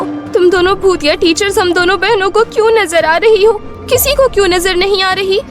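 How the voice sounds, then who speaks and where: Casting: woman as scared innocent schoolgirl, very high pleading voice, horror cartoon, light music. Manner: pleading, rapid-fire questions.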